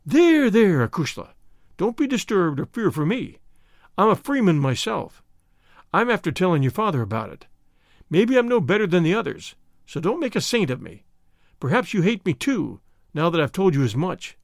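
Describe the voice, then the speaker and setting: A man's voice: high voice, big pitch swings, normal speed, creaky, no echo, clean studio sound, heavily acted. Man playing a bold, defiant young hero. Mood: firm, reassuring. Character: bold young man, defiant, protective, bitter, cool-headed. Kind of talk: audiobook character acting.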